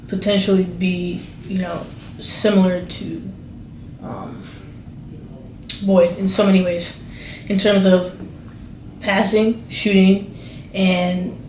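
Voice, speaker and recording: A young woman from New Jersey talks through an interview, full of fillers and false starts. Her voice has a middle pitch. It carries some room echo with a faint hiss underneath. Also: darkish tone. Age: young adult. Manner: rambling, many fillers and restarts. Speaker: basketball recruit. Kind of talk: casual interview.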